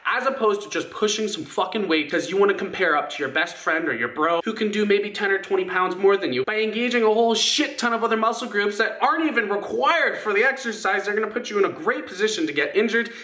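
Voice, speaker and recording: A young adult fitness coach vlogs to camera indoors at home, blunt, emphatic and casually sweary. His high-pitched voice is animated, bright and forceful, and he talks fast with hardly any pauses. The room sounds echoey.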